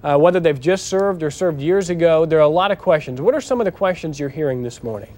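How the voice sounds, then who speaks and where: High-pitched guy anchoring the morning news, chatty. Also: lively intonation, fast talker, darkish tone.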